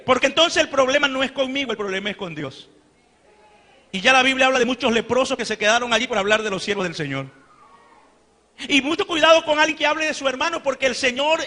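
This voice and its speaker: A pastor preaching a sermon, emphatic, asking rhetorical questions and rising to shouts. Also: male voice, extremely high pitch. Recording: long reverberant hall.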